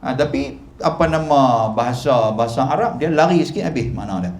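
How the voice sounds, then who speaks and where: A man's voice: mid-range voice, expressive, fairly quick, a little mellow, reverberant. A male religious teacher giving a chatty mosque lecture, modelling Arabic letter sounds. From Malaysia. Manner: chatty, demonstrative, repeatedly modelling Arabic pronunciation.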